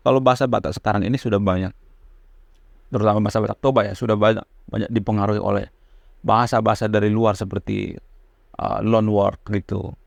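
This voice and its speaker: This man speaks in the relaxed, unscripted way of a channel host chatting with viewers. His voice carries a gravelly edge, and the sound is close and dry, with no room around it. He circles back to his points with fillers and repetition. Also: on the low side, fast, long pauses, no echo. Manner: earnest, repeats points, frequent fillers. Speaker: channel host giving commentary. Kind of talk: casual spoken commentary.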